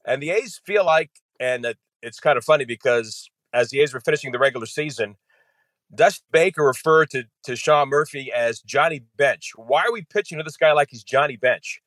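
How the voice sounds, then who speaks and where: A man's voice: medium pitch, brisk, fairly bright tone, no echo. A man with a mid-range voice recounting a baseball game in rich, conversational detail. He sprinkles his storytelling with "you know" as he goes. The sound is dry and close. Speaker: radio play-by-play announcer, guest.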